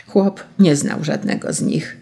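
A storyteller narrating a folk tale in a steady, measured way. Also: mid-range voice, creaky, slightly rough.

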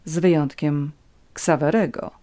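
A woman's voice: deep voice, steady tone, measured pace, warm tone. A woman voicing a proud young woman who answers with bitter defiance. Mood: defiant.

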